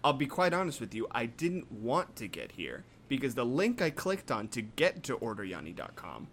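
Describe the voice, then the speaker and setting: A man's voice: mid-range voice, very animated, moderate pace, a bit bright, slight background noise. A man in casual comedic chat, rambling and mock-outraged.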